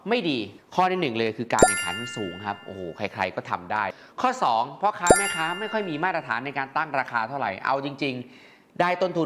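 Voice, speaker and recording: A man's voice: medium pitch, very noisy. Male host, middle-aged, conversational instructor explaining to viewers step by step. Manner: chatty, explaining point by point with polite particles. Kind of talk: educational talk to viewers.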